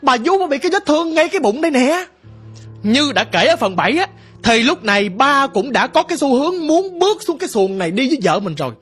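A woman's voice: sits high, big pitch swings, fairly quick, soft background music. A woman telling a ghost story in a dramatic, conversational way.

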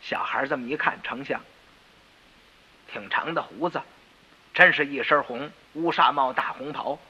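A man's voice: medium pitch, moderate pace, breathy edge, big-room sound. A man with a Beijing accent telling a comic story and acting out all the voices himself. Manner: lively, acting out every voice. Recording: dull lo-fi radio recording.

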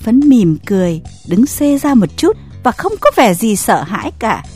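Woman narrator, breathy, lively pitch, scripted story. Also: normal speed, faint music behind.

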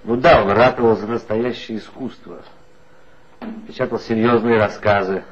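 An actor playing a guarded former reporter who answers in a measured, reflective way in a 1960s radio play. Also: male voice, fairly low pitch, fairly even intonation, a little hiss or hum, lightly acted. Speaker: former reporter being questioned. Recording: dull lo-fi old radio play recording.

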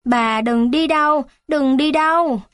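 A woman's voice: sits high, measured pace, no echo, clean studio sound, voice pushed up. A woman voicing a young grandchild who pleads tearfully with her grandmother. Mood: pleading, tearful.

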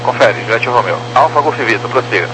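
Crackly radio, fast-talking Brazilian male controller. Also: medium pitch, animated. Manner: terse, procedural. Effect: crackly aviation radio. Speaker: approach air traffic controller. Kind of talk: clipped radio phraseology, instructions to pilots. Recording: noisy crackly aviation radio, humming.

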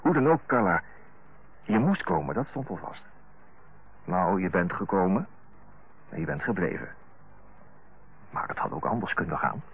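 Through the thin, narrow band of an old radio recording comes a middle-aged brother with a low, rough-edged voice. He is earnest and fond, feeling his way haltingly toward frank words in radio-drama style. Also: big pitch swings, exaggerated voice. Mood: frank, affectionate. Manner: hesitant, searching, self-correcting.

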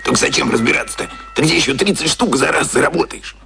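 A man's voice: fairly high pitch, fast, creaky. A man acting a cynical, matey shady colleague in a radio drama, talking colloquially and confidingly. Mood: sly, offhand. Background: music.

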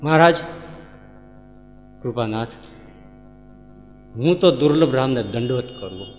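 A man's voice: mid-range voice, expressive, a little slow, a little mellow, natural voice. A man playing a humble devotee who fervently begs his spiritual master not to be displeased, in a sermon story. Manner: fervent, pleading. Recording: echoey hall, dull sound, faint music.

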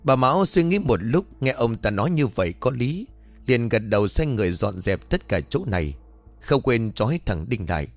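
Guy narrating a ghost story, steady dramatic pace, dry close mic, faint music. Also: medium pitch, moderate pace, dry recording.

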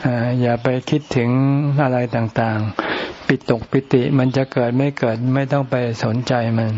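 A male monk giving a calm dharma talk and answering questions, unhurried and full of fillers. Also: mid-range voice. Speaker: monk teacher. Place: meditation retreat hall. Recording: dull sound with faint hiss.

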